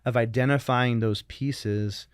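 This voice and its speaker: A man's voice: medium pitch, fairly even intonation, a little slow, clear, resonant tone, dry recording, studio quality. A man co-hosting a podcast as a recovery coach, talking reflectively in a conversational Christian teaching style.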